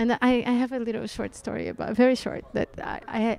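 A woman with a Brazilian accent, fairly high-pitched and at a fairly quick pace, in a dry sound with no echo. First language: Portuguese. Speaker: relationship and sex coach, author; sex coach. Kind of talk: interview. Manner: animated. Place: bar. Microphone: handheld.

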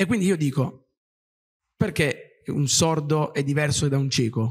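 A man's fairly high, somewhat breathy voice. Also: quiet background. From Bari, Italy; Italy. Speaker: author, blind social media creator; blind social media creator. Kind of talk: casual, humorous book presentation. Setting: stage book presentation. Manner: ironic, joking. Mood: earnest, slightly indignant. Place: shop. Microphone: handheld.

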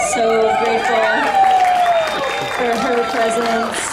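A woman's fairly high voice with ordinary pitch variation, crowd noise in the background. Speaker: rally organizer. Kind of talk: event announcements. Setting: outdoors.

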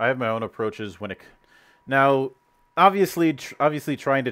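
A man's voice with lively intonation. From US Midwest. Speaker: tabletop gaming show host. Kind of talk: casual interview. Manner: animated.

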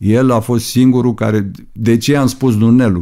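Over a quiet background, a man speaks very slowly at a medium pitch in a dark, mellow tone. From Romania, Bucharest. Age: 60s. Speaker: rock guitarist; podcast guest. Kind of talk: casual interview chat. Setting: radio studio. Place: studio. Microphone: studio mic.

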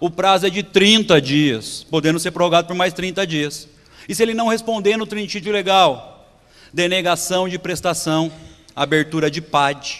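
Speaking at a fairly slow pace, a man uses a high pitch with ordinary variation. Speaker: lawyer and lecturer. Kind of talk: lecture. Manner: animated.

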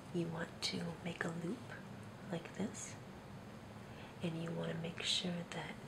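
Over loud background noise, a soft-spoken woman talks at a fairly slow pace. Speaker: knitting instructor. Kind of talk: tutorial. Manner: soft ASMR-style quiet speech.

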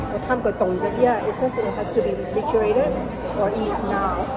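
A woman is speaking. Crowd noise fills the background. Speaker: food vlogger. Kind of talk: casual mukbang chat. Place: cafe. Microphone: phone near.

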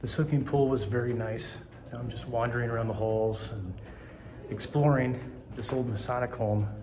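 A man's fairly even intonation and moderate pace come with noticeable background noise behind him. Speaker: travel vlogger. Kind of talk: casual vlog chat. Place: hall. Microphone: phone near.

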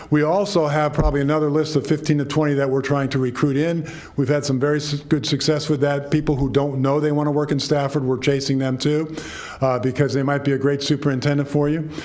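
A man with an American accent talks at a very fast pace in a fairly high pitch, his intonation monotone and flat, his loudness very even, over noticeable background noise. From New Jersey. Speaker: superintendent search consultant. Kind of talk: presentation to a school board.

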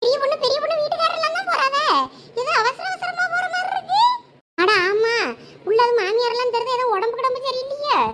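Using a put-on character voice, a woman speaks at a moderate pace in an extremely high pitch with lively intonation. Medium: voice reel. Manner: chatty, casual.

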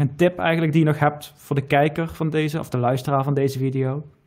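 An ordinary speaking voice from a man, fairly high in pitch with fairly even intonation and a fairly quick pace, over a quiet background. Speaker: finance YouTuber host; host interviewing a viewer. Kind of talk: interview about investment portfolio. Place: home room. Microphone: studio mic.

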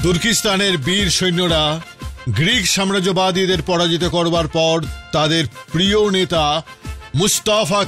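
With music in the background, a man speaks at a high pitch. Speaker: poetry reciter. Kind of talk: poetry reading. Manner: rousing, martial.

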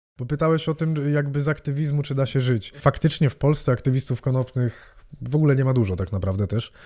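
A man speaks at a very fast pace with hardly any pauses, in a dark, mellow tone. His pitch is fairly high with ordinary variation, over a quiet background. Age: 20s. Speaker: cannabis activist and podcaster; podcast guest. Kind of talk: casual interview. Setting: studio. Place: studio. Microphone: studio mic.

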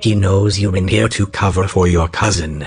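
Faint music plays in the background while a man with a fairly low pitch speaks at a moderate pace. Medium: audio drama. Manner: measured, formal, courteous.

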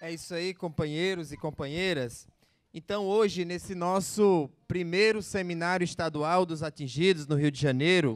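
At a moderate pace, a man speaks in a high voice with ordinary pitch variation against a quiet background. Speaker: social movement coordinator. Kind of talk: public speech at seminar. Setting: assembly hall with microphone and audience. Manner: halting, many fillers. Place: meeting room. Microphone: handheld.

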